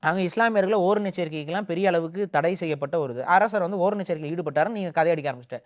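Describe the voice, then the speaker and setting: A man's voice: sits high, rapid-fire. A man giving a heated opinion in an interview, speaking with indignant force that keeps rising into emphatic outbursts.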